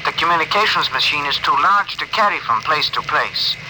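An actor playing a gentle alien ship's communicator who speaks in stiff, oddly formal phrases, in a 1950s radio drama. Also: male voice, fairly high pitch, expressive, a little fast, natural voice. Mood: solemn. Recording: hissy old radio broadcast.

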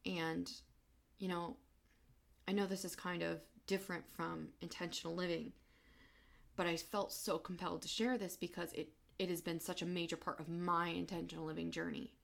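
A young woman talks straight into her podcast mic. Her voice sits low and has a gravelly fry. She speaks in a halting, emotional way, close to tears, and often pauses between phrases. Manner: emotional, halting, soft-spoken. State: tearful. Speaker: podcast host. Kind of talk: personal podcast monologue.

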